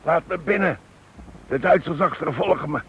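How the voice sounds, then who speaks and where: A man's voice: on the high side, moderate pace, natural voice. An actor playing an anxious, hunted man hiding from his pursuers in a radio drama. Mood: frightened, urgent. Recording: muffled, faintly noisy radio recording.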